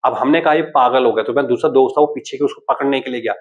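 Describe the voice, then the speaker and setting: Man, horror storyteller, rapid rambling delivery, voices quotes lower, dull lo-fi sound. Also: steady tone. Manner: rambling, acts out dialogue in a lowered voice. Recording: dull lo-fi recording.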